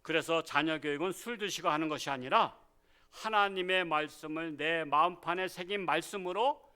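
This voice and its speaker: Bright high-voiced Korean pastor preaching. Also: male voice, smooth. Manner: folksy preaching, acts out quoted family dialogue. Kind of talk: sermon.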